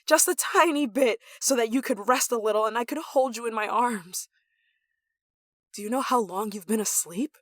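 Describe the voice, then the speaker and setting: A woman's voice: a little high, moderate pace, a bit bright, no echo, natural voice. Woman acting an obsessive, possessive yandere lover, close-up. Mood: coaxing, insistent. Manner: breathy sighs and chuckles, dropping to whispers. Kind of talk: intimate ASMR roleplay acting.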